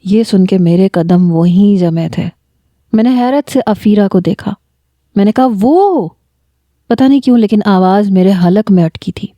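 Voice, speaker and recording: A woman telling a first-person story as a storybook narrator, in a steady, reflective reading style. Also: medium pitch, dry recording.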